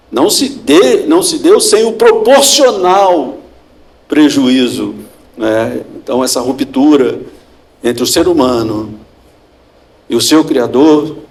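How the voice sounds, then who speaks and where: A man from Brazil, a pastor, preaching a sermon slowly and deliberately, repeating phrases and asking rhetorical questions. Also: on the high side, darkish tone. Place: church hall. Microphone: handheld or stand mic with feedback.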